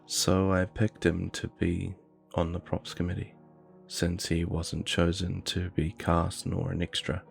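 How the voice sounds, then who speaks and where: A man narrating a scripted horror story in a measured, low-key way. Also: monotone, vocal fry, faint music behind.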